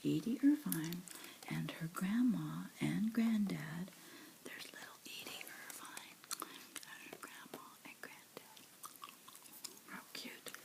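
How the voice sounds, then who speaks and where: A woman softly whispering her way through a picture book, slowly and dotingly remarking on the pictures as she reads. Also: fairly low pitch, creaky. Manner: slow, soft, doting commentary on the pictures.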